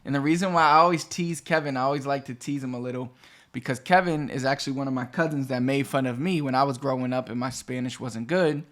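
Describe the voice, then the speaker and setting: A man's voice: medium pitch, fast, fairly bright tone. A man hosting a Spanish lesson video, explaining in a chatty, digressive way and often restarting phrases. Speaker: Spanish teacher and channel host. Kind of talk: explaining a language lesson to camera.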